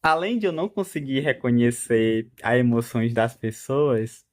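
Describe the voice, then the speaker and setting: With a medium-pitched, darkish voice and an unhurried pace, a twenty-something vlogger with a Brazilian Portuguese accent delivers a casual, rambling monologue. He keeps interrupting himself with restarts and laughs frequently.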